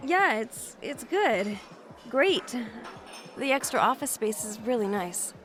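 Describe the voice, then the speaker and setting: A woman's voice: a little high, sing-song, slow pace, a bit bright, exaggerated voice. Casting: woman in her twenties, overworked but content homebody, hesitant and understated, naturalistic drama dialogue over music. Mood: hesitant, downplaying. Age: 20s.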